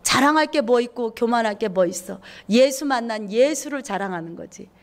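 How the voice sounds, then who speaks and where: A woman pastor preaching a lively sermon, acting out inner voices and repeating words for emphasis. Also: fairly high pitch, normal speed.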